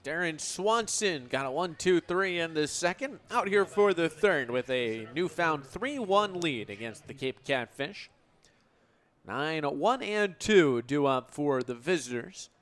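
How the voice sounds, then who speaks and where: An American play-by-play man in his twenties calls a game live for radio at a sports venue, expressive and fairly bright, his voice on the high side at a measured pace. Crowd and ambient game noise play behind him.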